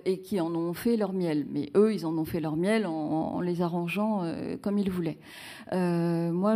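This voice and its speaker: A woman's voice: on the low side, dark tone. A woman author in a live book talk, speaking reflectively with many fillers and restarts as she searches for her words.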